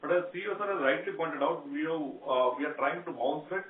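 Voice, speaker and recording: An Indian-accented man gives a formal executive explanation on a call. His slightly high voice sounds far from the microphone and echoey. The line is narrow, with some noise. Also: fast talker. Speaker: insurance company executive. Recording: echoey, distant, noisy, narrow conference line.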